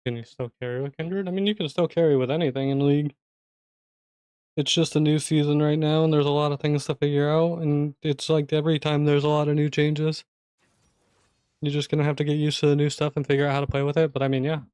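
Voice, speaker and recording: A young man giving chatty, offhand commentary while he plays a game, swearing now and then and clearing a throat that is going hoarse. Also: a little high, flat delivery, fast, darkish tone, no room sound, clean studio sound. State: losing his voice, clearing throat. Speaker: streamer. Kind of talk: casual gameplay commentary.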